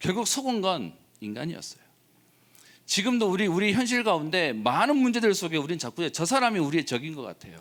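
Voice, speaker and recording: A man with a Gyeongsang accent speaks at a fairly quick pace in a high pitch with very wide pitch swings, on a very clean recording with a silent background. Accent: Gyeongsang regional Korean. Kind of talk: preaching, sermon-like.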